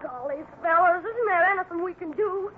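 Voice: extremely high pitch, moderate pace. A performer playing an earnest, impatient young boy who bosses a ranch, in an old-time radio juvenile Western. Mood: worried, impatient. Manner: eager, earnest. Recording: noisy, tinny vintage radio recording.

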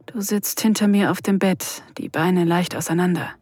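Erotic audio drama lead: a vulnerable, shy mature woman, soft, lowish, breathy, often whispering. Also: fairly even intonation, moderate pace, dry recording, clean studio sound. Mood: shy, tense. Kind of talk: intimate first-person erotic audio drama narration.

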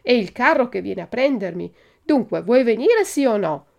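Lady doing a cocky storybook boy, sure of himself, coaxing his buddy, gravelly edge. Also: fairly high pitch, expressive, normal speed, darkish tone, lo-fi sound, pitched above the performer's own voice. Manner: confident, coaxing. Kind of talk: storybook reading.

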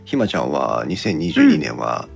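A man's voice: very deep voice, wildly swooping pitch, moderate pace, gravelly, faint music behind. A man co-hosting a podcast in casual conversation, encouraging and offering suggestions. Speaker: podcast co-host.

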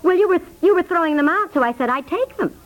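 A woman's voice: very high-pitched, expressive, fast, phone-quality sound. A woman playing a breezy, thrifty, self-satisfied neighbor lady, gushing and emphatic in an American accent, in 1950s radio comedy style. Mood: gushing, pleased. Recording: vintage 1950s radio broadcast.

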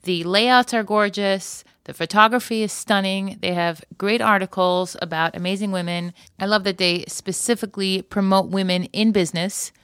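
A woman's voice: medium pitch, fairly even intonation, normal speed, few pauses, fairly bright tone, clear, resonant tone, dry recording, clean studio sound. A woman hosting a solo podcast in a chatty, conversational way, with wry, joking asides. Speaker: podcast host.

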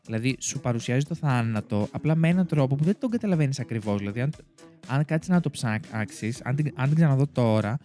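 A man's voice: medium pitch, animated, mellow, faint music behind. A young man co-hosting a podcast, presenting film facts in casual chat, often stopping to search for words. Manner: halting, searches for words mid-sentence. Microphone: desk microphone.

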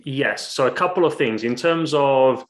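A man's voice: mid-range voice, normal speed. A man in his thirties with an Italian accent, a guest answering interview questions with eager storytelling. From Italy. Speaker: guest, presentation coach.

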